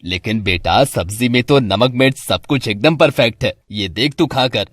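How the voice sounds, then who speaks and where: A woman voicing a calm older man of the house who stays out of family quarrels. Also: a bass voice, normal speed, breathy edge, dry recording, clean studio sound, voice pushed down.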